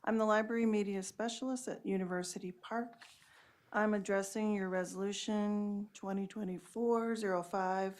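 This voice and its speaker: A woman's voice: mid-range voice, steady tone, normal speed, darkish tone. A school librarian, a woman, giving firm, pointed prepared testimony at a school board meeting. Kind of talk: public testimony. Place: public board meeting room.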